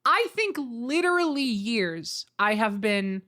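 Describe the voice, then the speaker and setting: Hosting a casual livestream, this woman talks informally to her viewers on a close mic, frequently thinking out loud. She speaks slowly in a slightly high, sharp voice that is very animated.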